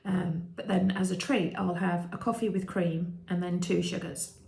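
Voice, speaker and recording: A British woman in her fifties, vlogging candidly with many ums and restarts and a voice that turns croaky at times. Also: lowish voice, flat delivery, moderate pace, mellow, slight background noise. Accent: British English. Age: 50s. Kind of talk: candid personal vlog. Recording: echoey room.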